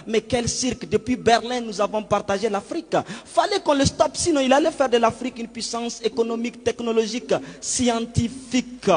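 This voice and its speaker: A man's voice: very high-pitched, normal speed, few pauses, darkish tone. A man performing slam poetry in a rhythmic, declamatory delivery. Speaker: slam poet. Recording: long hall reverb with music underneath.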